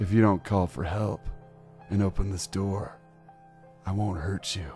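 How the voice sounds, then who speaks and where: Whispering in a gravelly, put-on character voice, a man speaks at a moderate pace with clear music in the background. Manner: whispering, threatening.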